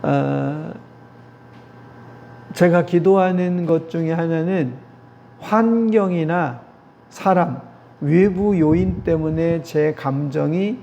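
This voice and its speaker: Male pastor, gravelly mellow voice, earnest teaching sermon, dull lo-fi recording. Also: on the high side. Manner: earnest, repeats key phrases, acts out little prayers. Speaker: pastor or theology professor. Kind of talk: lecture-style sermon. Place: church meeting hall. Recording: dull lo-fi recording with faint noise.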